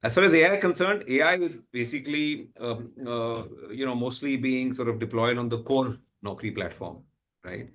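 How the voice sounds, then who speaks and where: A man's voice: medium pitch, moderate pace, a bit bright. A man with an Indian accent giving unscripted executive answers on an earnings call, rephrasing as he explains and tagging points with "right?". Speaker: company executive answering analysts.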